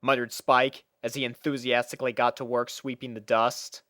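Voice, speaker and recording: A woman narrating a scripted story in an expressive manner. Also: very deep voice, moderate pace, no echo, clean studio sound.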